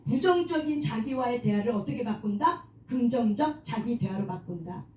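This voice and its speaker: A woman's voice: fairly high pitch, animated, moderate pace, warm tone, distant mic, a little hiss or hum. A woman leading a prayer meeting, preaching on forgiving oneself, asking the audience questions, answering them herself and calling for amens. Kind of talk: sermon on self-forgiveness. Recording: echoey room, voice from off-mic.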